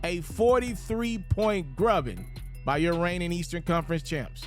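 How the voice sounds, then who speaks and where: A man giving casual, opinionated basketball commentary, his voice a little raspy after just having his wisdom teeth pulled. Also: high-pitched, expressive, faint music behind. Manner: quick, opinionated, conversational. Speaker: sports commentator.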